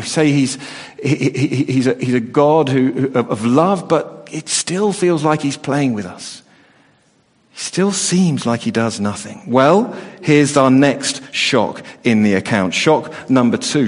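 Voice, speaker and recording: A middle-aged man gives a sermon in an earnest, halting way, circling back over his own words. His voice sits at an ordinary middle pitch. The sound carries the long reverberation of a church hall. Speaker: preacher.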